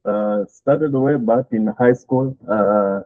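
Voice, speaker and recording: A middle-aged pastor with a Kenyan accent, telling his story as a guest in a halting way full of "uh" fillers. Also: medium pitch. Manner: halting, many "uh" fillers, chuckles between thoughts. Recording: tinny phone-like call audio, dry.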